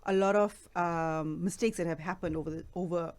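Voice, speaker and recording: A woman's voice: fairly low pitch, steady tone, brisk, a little mellow. A woman from Durban with an Indian South African accent, speaking earnestly as an influencer guest in a casual panel discussion. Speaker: influencer, guest on a radio show.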